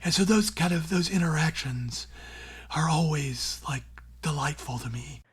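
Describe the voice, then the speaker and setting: A middle-aged man who hosts a radio show, answering interview questions in a breathy, raspy, near-whispered voice, earnest and plainspoken with casual fillers. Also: a little high, unhurried, fairly bright tone. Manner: earnest and plainspoken, with many "you know" and "like" fillers. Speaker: radio show host and former newspaper columnist.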